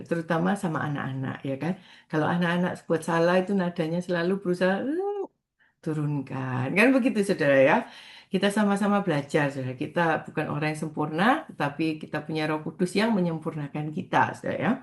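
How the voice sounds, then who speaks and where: This is a middle-aged woman evangelist delivering a morning prayer sermon. Her voice sits on the lower side, and she talks in a relaxed, conversational way. She keeps turning to her listeners as brothers and sisters, as if chatting with them. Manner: warm conversational preaching, often addresses listeners as "saudara".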